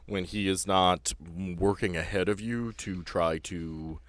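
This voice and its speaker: A man's voice: sits low, unhurried, dry recording. A man acting as game master, talking casually as he explains a tabletop game.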